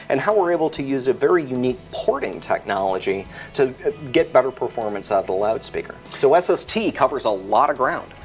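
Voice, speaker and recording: A man, explaining technical product features in an articulate, methodical way as the expert. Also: medium pitch.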